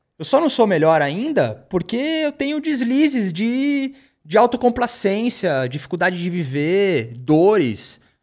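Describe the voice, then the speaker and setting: Very wide pitch swings at a fairly slow pace on a very clean recording with a silent background. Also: man. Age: 40s. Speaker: author speaking about addiction recovery. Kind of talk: casual interview chat.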